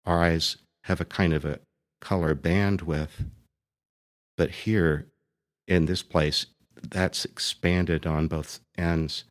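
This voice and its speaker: A man speaking as a priest leading a guided meditation, gently and deliberately, pausing between short phrases. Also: deep voice, fairly even intonation.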